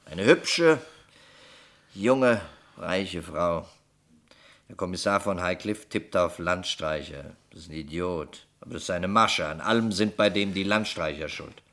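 A worldly homicide detective: very deep, forceful voice, blunt, sardonic, probing. Radio play. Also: male voice, a little slow. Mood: wry, weary. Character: sharp, sceptical, worldly city homicide investigator. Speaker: actor in a radio crime play. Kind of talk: German radio crime drama acting.

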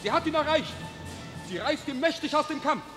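An actor playing an excitable soldier lookout in a classic radio play, reporting with urgent exclamations. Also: male voice, extremely high pitch, brisk, big-room sound, over music. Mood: alarmed.

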